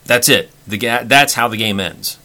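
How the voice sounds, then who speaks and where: Bright-voiced man chatting casually. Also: medium pitch. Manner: halting, many restarts and fillers. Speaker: podcast co-host. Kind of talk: casual chat about board games.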